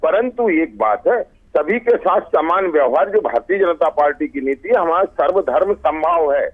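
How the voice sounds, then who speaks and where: A man's voice: fairly high pitch, expressive, normal speed. A man with an Indian accent arguing formally and emphatically as a party spokesperson in a TV debate over a remote call. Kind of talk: TV debate argument. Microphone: remote call link. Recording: tinny narrowband phone-like line.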